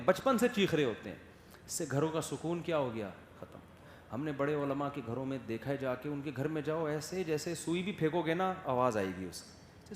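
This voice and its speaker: A male Islamic scholar giving a religious lecture, moving between loud emphatic points and soft acted asides, often asking listeners if they follow. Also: medium pitch. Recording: echoey hall with long reverb and faint noise.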